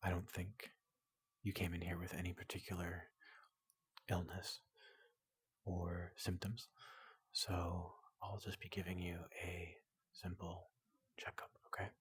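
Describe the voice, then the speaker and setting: A man voicing a tall, gentle robot doctor in soft ASMR roleplay, hesitant and politely clinical, often slipping into a whisper, close to the microphone. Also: deep voice, completely flat delivery, measured pace, dry recording, heavily acted. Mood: calmly clinical. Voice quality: breathy, gravelly, often dropping into whisper.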